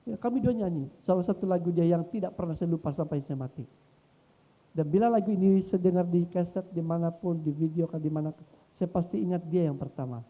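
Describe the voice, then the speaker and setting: A middle-aged male pastor preaching a sermon, telling stories and swinging between soft asides and loud exhortation. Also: high voice, brisk. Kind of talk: sermon with storytelling. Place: church hall. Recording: long hall reverb.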